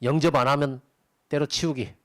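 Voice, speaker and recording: A middle-aged male pastor delivers a sermon in an animated, conversational style, frequently posing rhetorical questions to the congregation. His voice is fairly high and his pace moderate.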